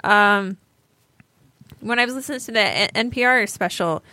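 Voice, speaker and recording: A giggly woman rambles through loose podcast banter, trailing off into ums. Her voice sits at an ordinary middle pitch. The sound is dry and close on a studio mic. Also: normal speed, bright, forceful tone, dry recording. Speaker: podcast co-host. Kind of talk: casual banter.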